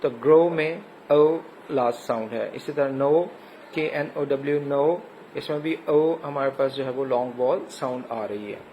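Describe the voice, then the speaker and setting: A man with a Pakistani accent teaching an English lesson, spelling words letter by letter and pausing with frequent hesitations. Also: medium pitch, a little mellow, a little hiss or hum, rough recording. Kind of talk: recorded classroom lecture.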